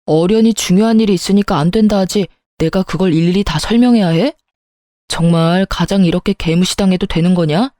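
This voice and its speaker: A woman voicing a stubborn, short-tempered middle-aged father who shouts and bullies indignantly in a storytelling reading. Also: fairly low pitch, fairly quick, no echo, clean studio sound, close to an everyday voice. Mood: angry.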